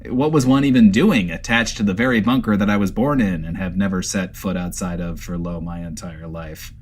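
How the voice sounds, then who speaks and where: A man's voice: sits low, fairly quick, husky. A man playing a flirty, self-admiring host of a post-apocalyptic radio show, theatrical and rambling, in a comedic audio drama. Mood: baffled.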